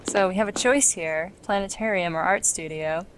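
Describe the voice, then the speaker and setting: A woman's voice: on the low side, normal speed, noisy background. A woman hosting a video game playthrough with casual, sarcastic commentary and the odd swear word. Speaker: let's play host. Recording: game music behind the voice. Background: video game music.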